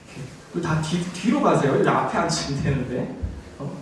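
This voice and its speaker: A man's voice: on the high side, lively intonation, fairly quick. A Korean man lecturing in an echoey classroom. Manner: explains step by step, often checks in with the class. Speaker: TOEIC instructor. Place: classroom in a language school. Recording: echoey classroom, distant camera mic, faint hiss.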